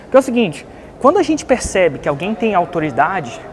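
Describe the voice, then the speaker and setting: Animated Brazilian man telling a story. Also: high-pitched, a little fast, a little hiss or hum. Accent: Brazilian Portuguese. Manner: animated, acts out the other voices in his story. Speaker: online business coach. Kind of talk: storytelling to teach a point.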